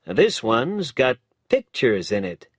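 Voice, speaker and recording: A man voicing a brisk, friendly young male lawyer in a storybook reading. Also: mid-range voice, big pitch swings, slightly rough, no room sound, studio quality, full character voice. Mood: chatty. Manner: chatty, raised voice.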